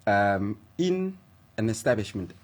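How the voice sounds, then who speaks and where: A man's voice: on the low side, big pitch swings, unhurried. A South African man in his twenties, a guesthouse manager being interviewed on radio, chatty and hesitant with many fillers. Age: 20s.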